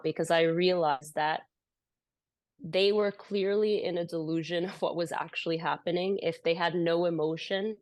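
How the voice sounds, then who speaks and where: A woman speaks at a campus event in a passionate, earnest way, often restarting her sentences as she retells a hard conversation. Her voice sits on the low side for a woman. The sound is dry and close, with little room echo. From United States. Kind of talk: impassioned personal testimony.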